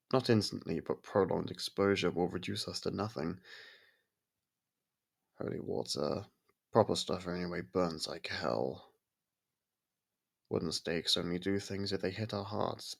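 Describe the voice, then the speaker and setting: A man playing a courteous, brooding vampire in an intimate ASMR audio roleplay, with a gravelly, husky voice and halting, hushed delivery. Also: low voice, exaggerated voice. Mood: calm, explaining. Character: brooding male vampire, courteous, softened toward a human. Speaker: voice actor.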